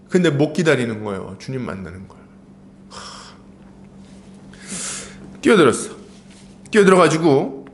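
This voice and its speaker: Lively Korean pastor telling a story. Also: male voice, fairly high pitch. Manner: animated storytelling, acting out quoted lines. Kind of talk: sermon.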